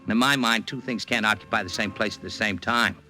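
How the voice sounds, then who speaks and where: An actor playing a brash, fast-talking male Hollywood talent agent in a 1940s radio drama, full of slangy patter. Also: lowish voice, natural voice. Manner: brash slangy patter, calls listener doll. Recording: old radio transcription with music.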